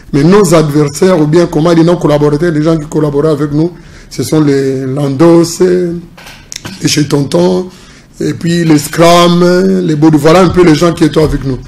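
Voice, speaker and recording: A middle-aged man from Congo Central with a Congolese French accent, answering interview questions in a measured, formal way as a political analyst and businessman. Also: on the high side, a little mellow, slight background noise. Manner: measured, formal, mixes in Lingala.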